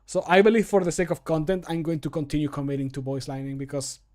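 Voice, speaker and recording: A man in his thirties with a slightly high voice talks casually to a stream. He rambles in a playful way while he works, speaking close to a desk mic in a home room. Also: flat delivery, fast talker, a little mellow. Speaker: streamer recording mod voice lines. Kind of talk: casual livestream commentary while working. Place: small home room with computer. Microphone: close desk microphone.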